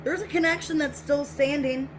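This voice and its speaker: A woman's voice: high-pitched, fairly even intonation, moderate pace. A woman giving a casual tarot reading to viewers, speaking in a repetitive, reassuring way, with her voice getting scratchy. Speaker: tarot reader.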